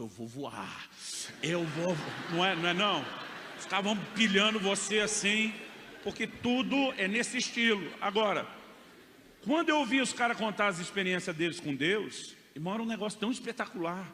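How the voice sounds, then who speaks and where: Bright-voiced Brazilian pastor telling a story. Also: male voice, sits high, fast. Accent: Brazilian Portuguese. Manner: conversational storytelling, addresses listeners as "irmão". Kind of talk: sermon testimony. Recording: echoey hall with faint noise.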